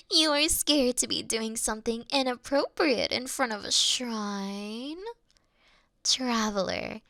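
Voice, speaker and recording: A teasing, affectionate fox-spirit priestess, played by a woman, speaks in intimate ASMR roleplay style. Her feminine voice sits a little high and moves slowly, often melting into breathy whispers. The sound is close and dry, with a coy, mischievous lilt. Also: bright, forceful tone, no room sound, exaggerated voice.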